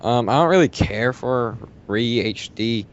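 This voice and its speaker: A man's voice: mid-range voice, animated, takes it slowly. A young man chatting casually, with a blunt, dismissive way of talking. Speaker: podcast panelist. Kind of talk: casual chat. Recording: muffled audio with faint background noise.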